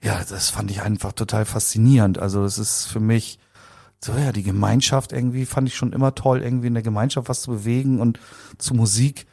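A man's voice: on the low side, steady tone, fairly quick, gravelly, dark tone. A man of about fifty being interviewed, talking in a casual, rambling, colloquial way and often repeating words. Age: around 50. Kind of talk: casual conversational recollection.

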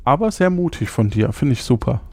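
Gravelly man running a mystery game. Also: medium pitch, expressive, darkish tone, dry recording. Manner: brisk, organizing. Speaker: game master. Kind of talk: hosting a mystery game podcast.

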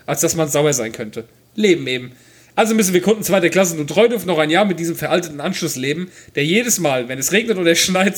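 A man co-hosting a podcast in casual chat, jokey and laughing often as he reads listener mail aloud. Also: on the high side.

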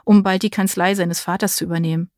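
A woman's voice: lowish voice, fairly even intonation, fast, a little mellow, dry recording, studio quality, lightly acted. A woman voicing a cheerful young man, the playful boyfriend in a romance audiobook, teasing and upbeat.

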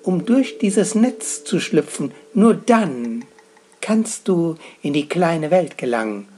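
A man voicing a calm, wise spider that guards the entrance to a tiny world, speaking slowly and solemnly. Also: on the high side, pitched above the performer's own voice.

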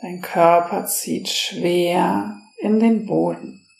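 A woman speaking slowly and softly, leading a guided relaxation meditation. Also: fairly low pitch, steady tone, creaky. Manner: slow, soft-spoken, soothing. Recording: roomy echo.

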